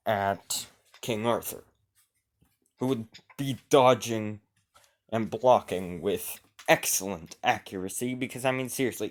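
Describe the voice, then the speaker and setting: Male narrator, improvised fan story, slow, rambling, restarts a lot. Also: medium pitch.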